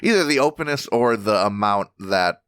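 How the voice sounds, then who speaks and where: Man, casual podcast chat, lively swinging pitch, joking and swearing, dry close sound. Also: moderate pace, clean tone, no room sound. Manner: animated, joking, swears freely. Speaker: podcast co-host.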